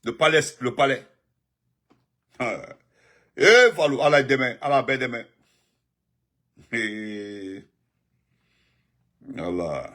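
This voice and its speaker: A man, giving animated live-stream political commentary and greeting viewers, repeating himself and jumping up in pitch when he stresses a point. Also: takes it slowly, long pauses. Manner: excited, repetitive, pitch jumps up sharply when emphatic.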